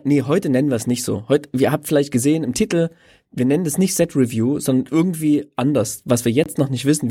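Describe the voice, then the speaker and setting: A man's voice: mid-range voice, mellow, slightly rough. A man co-hosting a podcast about a card game, casual and playful, laughing often. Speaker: podcast co-host.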